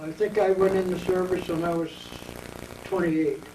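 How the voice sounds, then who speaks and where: A man in his eighties with an American accent, telling his war memories at length in an oral history interview, wandering and pausing as he remembers. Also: high-pitched, little pitch movement, noisy background. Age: 80s. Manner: rambling reminiscing storyteller. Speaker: veteran interviewee. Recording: echoey room, mic at a distance.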